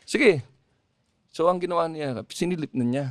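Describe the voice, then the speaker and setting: A man's voice: on the high side, normal speed, no room sound. A man, a comedian guest on a podcast, rambling through a long joke and acting out the quotes. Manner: rambling storytelling with acted-out quotes and laughter.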